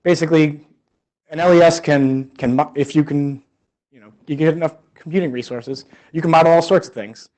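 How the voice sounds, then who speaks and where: A man's voice: a little high, steady tone, fairly quick, a little mellow. Man giving an informal science seminar talk. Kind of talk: informal academic seminar presentation.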